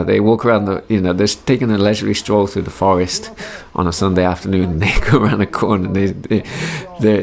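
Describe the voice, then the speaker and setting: A man in his forties from Derby, England, with a Midlands English accent softened by many years abroad, chatting in a rambling way with lots of ums and restarts as a hobby vlogger's voice-over. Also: low-pitched, vocal fry. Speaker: RC hobby YouTuber. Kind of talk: casual voice-over commentary.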